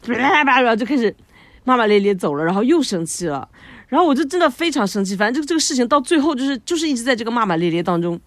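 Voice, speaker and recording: A woman co-hosting a podcast, telling a long personal story in a lively way, laughing often and using lots of fillers. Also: a little high, quick pace, no echo. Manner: animated, frequent laughter, many fillers. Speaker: podcast co-host. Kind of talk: casual storytelling chat.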